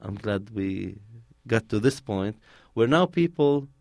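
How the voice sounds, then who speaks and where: Low-voiced man, close dry sound. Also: lively intonation, takes it slowly, creaky, darkish tone, no echo. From Palestine. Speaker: interviewee, community organizer. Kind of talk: conversational interview answers, telling personal stories.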